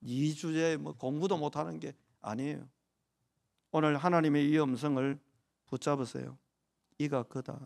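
A man in his forties preaches with a Gyeongsang accent in a church service, his voice sitting a little high for a man. He jokes and banters with the children in the pews, then swings back into fervent, loud preaching before dropping to quiet asides. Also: fairly even intonation, moderate pace, creaky, long pauses. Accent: Gyeongsang Korean. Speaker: pastor. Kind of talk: sermon. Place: church sanctuary during worship.

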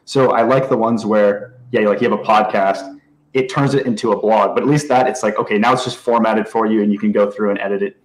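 A man's voice: on the low side, steady tone, fairly quick, low-quality recording. A man appearing as a guest on a live-streamed talk show over a video call, thinking aloud with many hesitant restarts. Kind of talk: casual live-stream chat.

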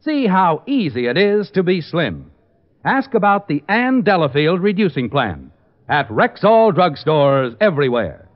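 High-pitched old-time radio announcer man. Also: sing-song, measured pace. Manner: polished, salesmanlike. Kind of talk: 1940s radio sponsor announcing. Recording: muffled old radio broadcast, music behind.

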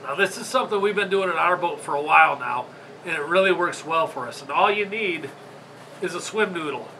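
A stuffy, congested man with a Michigan accent talks in a chatty, rambling way, apologizing as he goes. His voice sits a bit high and sounds bright and edgy. A faint room hum sits under the speech. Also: animated, fairly quick, rough recording. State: congested from a sinus infection. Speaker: fishing channel host. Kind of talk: casual how-to video. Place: indoor tackle workshop.

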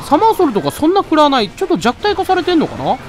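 A man giving excitable live gameplay commentary, loudly taunting and grumbling at the monster he is fighting. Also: very high voice, rapid-fire. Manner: excitable, trash-talks the monster with rough taunts. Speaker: let's play commentator. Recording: loud game music behind voice. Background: game music.

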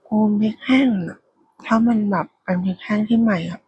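Give me a hushed, breathy woman whispering food ASMR. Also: mid-range voice, steady tone, brisk, no room sound, highs cut off. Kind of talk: whispered ASMR eating commentary.

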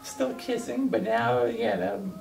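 A man's voice: very high voice, takes it slowly, vocal fry, recorded from a distance. A man in his thirties, an archivist, eagerly explaining and telling stories in an interview. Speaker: archivist and guide. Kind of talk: enthusiastic storytelling interview. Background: music.

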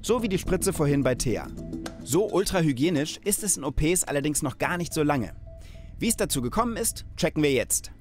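Man in his thirties, kids' show host, animated pitch, enthusiastic and clear, music behind. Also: brisk. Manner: enthusiastic, clear, speaking to kids. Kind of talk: educational narration for children. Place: colorful indoor studio set.

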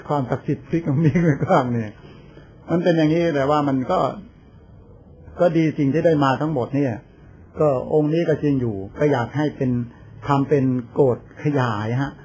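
Older monk telling stories in a sermon. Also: male voice, a little high, a little fast, darkish tone, slight background noise. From Thailand. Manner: chatty storytelling with laughs and quoted voices. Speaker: Buddhist monk. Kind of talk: informal sermon.

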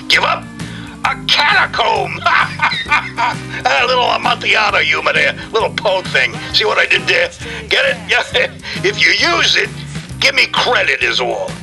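An actor voicing a grumpy, touchy black cat celebrity with a raspy voice, griping and wisecracking in slangy style in a comic audio interview. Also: male voice, sits high, big pitch swings, unhurried, over music, exaggerated voice, poor audio. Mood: chummy, jokey. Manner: brash, slangy, sardonic showbiz griping.

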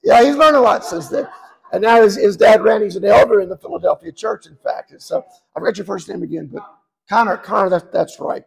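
A hoarse man in his seventies preaching a sermon as guest speaker, rambling with self-deprecating asides, his voice raspy. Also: sits high, a little fast, rough recording. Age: 70s.

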